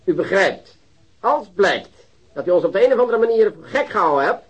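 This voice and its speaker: High-set voice, animated intonation, pompous commanding prosecutor, radio drama briefing style. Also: male voice, brisk, husky, muffled recording, heavily acted. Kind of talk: Dutch radio drama acting.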